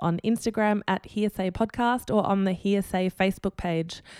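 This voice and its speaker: With an Australian accent, a woman at medium pitch speaks at a moderate pace in a dark, mellow tone and fairly even intonation, on a very clean recording with a silent background and a dry, close sound with no echo. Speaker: podcast host. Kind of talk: casual chat; scripted podcast intro. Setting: hotel room. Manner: quiet.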